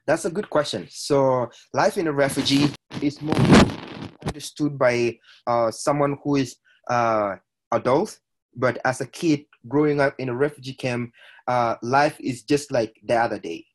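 Over a rough recording, an unhurried mid-range male voice recounts a life story. The speaker is an Ethiopian podcast guest in his 20s, talking conversationally and hesitantly, often restarting and using filler sounds.

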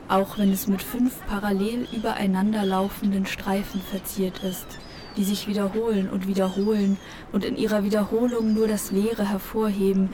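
A woman giving a measured, contemplative literary narration for an audio play. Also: medium pitch, mellow. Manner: measured, contemplative, with lingering repetitions.

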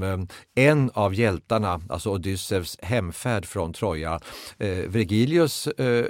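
A man's voice: fairly low pitch, darkish tone, no room sound, studio quality. A man speaking as an expert guest in a podcast discussion, lecturing with frequent hesitations.

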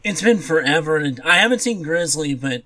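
A man with a fairly high voice chats casually as a podcast co-host. His talk about films is informal and conversational. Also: expressive, moderate pace, sharp tone. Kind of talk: casual chat about movies.

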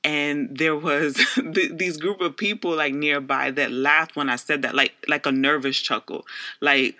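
Earnest bright-voiced man from the Bronx. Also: on the high side, steady tone, measured pace. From Bronx, New York, USA. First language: Garifuna. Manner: earnest, reflective. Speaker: social worker. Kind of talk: personal reflective monologue.

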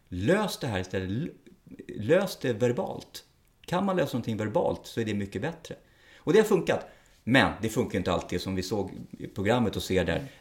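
A man's voice: lowish voice, a little mellow. A middle-aged man, a police officer, speaking frankly and plainly in an interview, with some swearing. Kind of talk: interview conversation.

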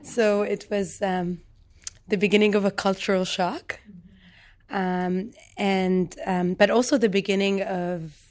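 A woman from Lebanon in her thirties talks about her life as a guest in an interview. She is soft-spoken and thoughtful, often stopping on small fillers as she gathers her words. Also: medium pitch, little pitch movement, slow. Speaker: poet and guest. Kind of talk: reflective interview talk.

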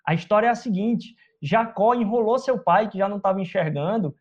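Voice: medium pitch, brisk. Um pregador com sotaque brasileiro prega de forma coloquial e direta, cheio de perguntas retóricas e um ritmo de conversa. A gravação soa abafada e de baixa fidelidade. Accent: Brazilian Portuguese. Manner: conversational, rhetorical questions. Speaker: preacher. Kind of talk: sermon. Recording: dull lo-fi recording.

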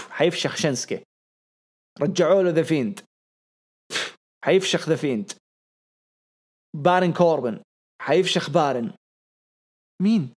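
A young man, co-hosting a podcast in casual commentary, excitable and repeating phrases for emphasis. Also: on the high side. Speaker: podcast co-host.

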